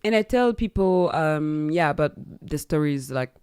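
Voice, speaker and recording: Low, smooth-voiced young Rwandan woman. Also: lively intonation, normal speed, a little mellow, dry recording, studio quality. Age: young adult. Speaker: musician guest. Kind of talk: radio interview, casual chat. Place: radio studio. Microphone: close studio boom mic.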